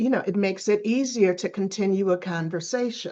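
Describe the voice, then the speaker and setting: A woman has an ordinary speaking voice at medium pitch with ordinary pitch variation. The background is quiet. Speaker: sales coach. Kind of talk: talk.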